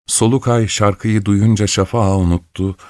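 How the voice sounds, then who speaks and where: A man narrating a fairy tale aloud in a measured, expressive storytelling voice. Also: lowish voice, dry recording, clean studio sound.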